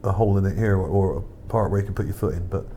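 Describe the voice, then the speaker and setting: A man with a low, dark voice talks fast, offering loose, unscripted remarks on images he found for his video. He muses and hesitates as he goes, with background noise beneath him.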